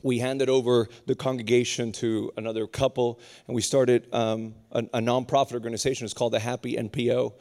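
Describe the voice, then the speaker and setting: A man's voice: a little fast, hardly any pauses. A man in his thirties from Puerto Rico, preaching a sermon with humor and rising intensity. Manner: lively, humorous preaching that climbs higher and more intense as it goes. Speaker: pastor.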